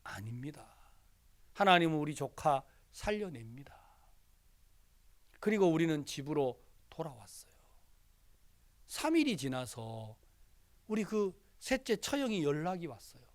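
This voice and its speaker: A man's voice: fairly high pitch, very animated, unhurried, long pauses. A male pastor telling a story in a sermon, emphatic, acting out the dialogue as he goes.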